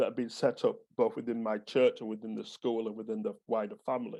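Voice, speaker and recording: Against a quiet background, a man talks with a Yorkshire accent. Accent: Yorkshire, northern English. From northern England, Yorkshire. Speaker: professor. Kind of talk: lecture.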